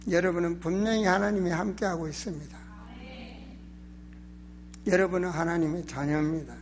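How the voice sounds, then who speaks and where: A man's voice: high voice, slight background noise. A man preaching a sermon as a pastor, emphatic and exhorting, with rhetorical questions and a strained, sore throat. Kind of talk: sermon in Korean church.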